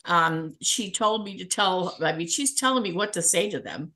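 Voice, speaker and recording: A woman's voice: on the low side, moderate pace. A middle-aged woman, a spiritual healer, telling a story in a casual chat with frequent laughter. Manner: animated anecdote-telling, laughs often. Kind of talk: casual storytelling on a talk show.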